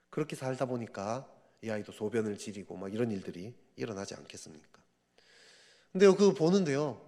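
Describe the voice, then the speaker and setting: Lively-voiced pastor in an echoing church. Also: male voice, medium pitch. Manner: conversational storytelling, frequent rhetorical asides. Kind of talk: sermon at a midweek prayer service. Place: church sanctuary. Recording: reverberant church hall.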